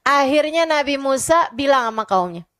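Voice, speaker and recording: Lively woman preacher telling stories. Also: high voice, normal speed. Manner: lively storytelling, acts out voices of the people in her stories. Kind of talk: sermon to young women.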